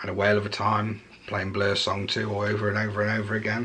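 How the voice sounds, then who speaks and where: Over noticeable background noise and audible room echo, a man speaks fairly quickly in a fairly low, monotone, flat voice. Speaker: drummer and video creator. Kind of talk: casual Q and A vlog. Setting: recording alone to camera. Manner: fast.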